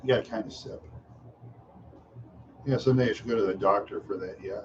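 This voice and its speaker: An older man chatting in a slow, rambling way on a livestream, repeating "yeah" and chuckling often, tired and unwell. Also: fairly low pitch. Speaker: livestream host. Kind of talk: rambling casual livestream chat. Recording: dull lo-fi stream audio with faint noise.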